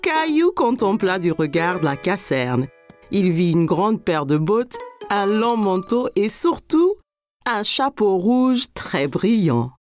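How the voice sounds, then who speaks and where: A woman narrating a French-dubbed children's cartoon like a simple, expressive story for small kids. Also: mid-range voice, slow pace, faint music behind.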